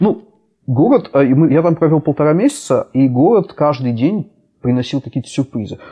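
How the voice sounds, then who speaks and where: Lively intonation runs through this man's somewhat breathy voice. He talks at a moderate pace in a fairly high pitch. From Russia, Ivanovo region. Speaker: software tech lead. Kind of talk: interview.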